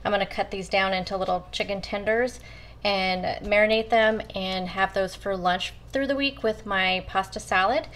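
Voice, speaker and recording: In a casual, chatty cooking walkthrough, a woman shows viewers her weekly meal prep from her home kitchen counter, calling them "you guys." Her medium-pitched voice is a bit bright, steady in tone and moderately paced.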